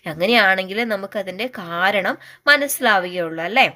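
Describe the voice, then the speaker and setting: A woman teacher giving a gentle primary school lesson, coaxing young children with questions. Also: mid-range voice, animated, normal speed.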